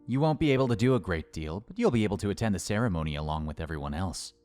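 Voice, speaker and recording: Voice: low-pitched, lively intonation, racing, a little mellow, soft background music. A performer voicing a proud young man who runs a company, speaking in a clipped, self-assured way in a fan-made audio drama. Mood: calm.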